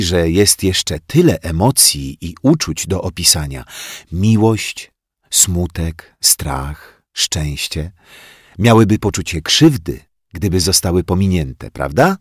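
A man reading a children's story aloud in an expressive, playful way. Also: sits low, slow, breathy edge, no room sound, clean studio sound. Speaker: audiobook reader.

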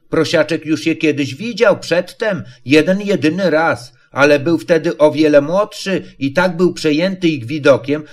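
A man reading a storybook aloud in a calm, measured way. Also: on the high side. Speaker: narrator.

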